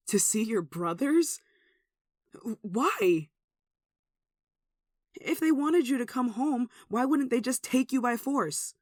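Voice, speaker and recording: A performer with a mid-pitched voice playing an anxious, devout, caring villager in an earnest, hesitant ASMR roleplay. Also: dry recording, clean studio sound. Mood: alarmed, pleading. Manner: earnest, hesitant, soft sighing delivery. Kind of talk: ASMR roleplay audio drama.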